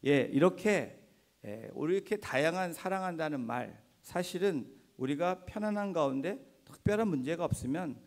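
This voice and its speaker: A middle-aged male pastor giving a Sunday sermon in a church, telling stories gently and often affirming himself with "ye". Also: on the high side. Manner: gentle storytelling with frequent "ye" affirmations. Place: church sanctuary.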